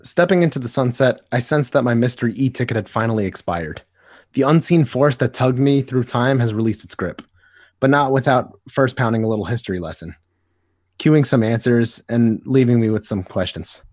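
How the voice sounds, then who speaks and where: A man playing a husky, wistful grown-up hero. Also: mid-range voice, moderate pace, darkish tone, no room sound, studio quality, natural voice. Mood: earnest. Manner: wistful, earnest inner monologue. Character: nostalgic grown-up superhero, adult man. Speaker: podcast co-host. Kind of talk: amateur comic dramatic reading.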